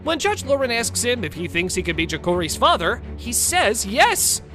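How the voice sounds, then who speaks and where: A man's voice: very high-pitched, very animated, normal speed, bright, forceful tone. A man reading dramatic scripted narration as a recap narrator. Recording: music bed under the voice.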